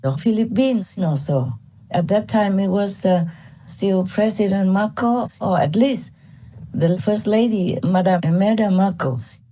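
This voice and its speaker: Woman from Vietnam, spiritual teacher; candid, animated storyteller; mellow, husky tone. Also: mid-range voice, a little slow. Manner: candid, laughs often, animated. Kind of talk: storytelling talk to disciples.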